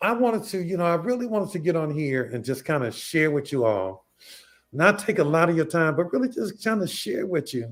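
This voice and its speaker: A man speaks at a high pitch and a fairly quick pace, his tone animated. His pitch swings very widely on a very clean recording with a silent background. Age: 60s. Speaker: retired network marketing entrepreneur. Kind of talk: livestream talk. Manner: animated, repetitive.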